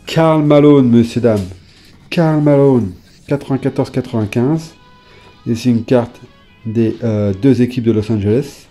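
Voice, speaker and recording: A man casually chatting to his viewers while flipping through old trading cards, hesitant at times and bursting into sudden excited exclamations. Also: mid-range voice, measured pace, faint music behind. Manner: hesitant, many fillers while reading names. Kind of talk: casual off-the-cuff commentary.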